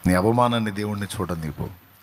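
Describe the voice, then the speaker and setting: Impassioned Telugu-accented male preacher. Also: fairly quick. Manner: impassioned preaching with rising pitch and dramatic quoted speech. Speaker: pastor. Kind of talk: sermon.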